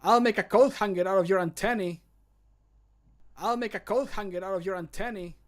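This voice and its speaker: A man's voice: sits high, a little fast, close to an everyday voice. A man voicing an irritated, disgusted fantasy game character who hurls insults in a scornful, exclaiming way. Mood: scornful threatening. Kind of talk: video game mod voice acting.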